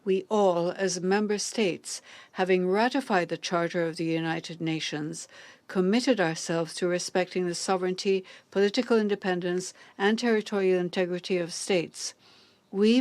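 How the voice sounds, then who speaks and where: A woman interpreter renders formal diplomatic speeches in a measured, deliberate way, often pausing on small fillers. Her voice sits a little low for a woman. The sound is dry and close, with no room around it. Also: a little mellow, no room sound. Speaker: conference interpreter.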